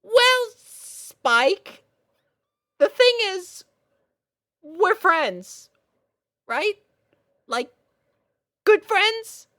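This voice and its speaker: A woman's voice: very high-pitched, sing-song, very slow, long pauses, bright, forceful tone, in a large hall, pitched above the performer's own voice, heavily acted. A woman voicing a nervous young girl pony with a crush, stammering and gushing in a storybook reading. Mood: nervous, excited. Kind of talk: storybook character voice in a fan fiction reading.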